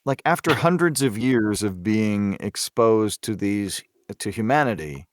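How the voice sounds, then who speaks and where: A man chatting casually as a voice actor guest on a podcast, thinking aloud with halting, repeated phrases. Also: on the low side, lively intonation, no echo. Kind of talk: casual group discussion.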